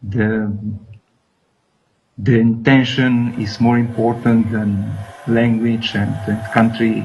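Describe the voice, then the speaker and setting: A man from Slovenia introducing himself on a call, halting and repeating words. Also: medium pitch, level tone, a little mellow, a little hiss or hum. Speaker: workshop participant. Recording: dull lo-fi call audio.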